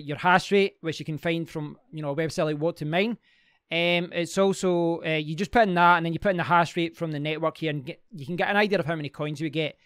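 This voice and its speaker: Chatty man with a smooth, higher voice. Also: a bit bright, dry recording, studio quality. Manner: chatty, rambling, many fillers and restarts. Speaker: crypto mining channel host. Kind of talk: casual screen-share walkthrough.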